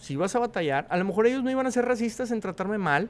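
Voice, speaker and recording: A man speaks with a Mexican accent. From Mexico, Monterrey. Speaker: businessman. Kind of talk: podcast interview. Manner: casual, hesitant fillers.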